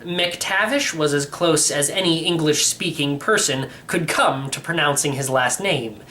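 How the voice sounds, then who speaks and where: A man reading a first-person storybook narration in an expressive, wry manner. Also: on the high side, measured pace, a little hiss or hum. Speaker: storybook reader.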